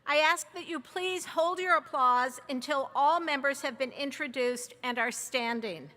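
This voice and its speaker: A woman serving as interim provost, reading formal introductions of names and titles in a measured way. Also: high voice, bright, forceful tone, big-room sound. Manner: measured, reads a long list of names and titles. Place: large outdoor or hall ceremony over a PA.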